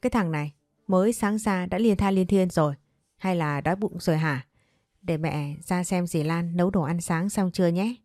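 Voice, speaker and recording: A woman's voice: lowish voice, normal speed, a little mellow, dry recording, clean studio sound, lightly acted. A woman voicing a stern, dismissive middle-aged mother in a spoken ghost story, with a brusque, scolding manner.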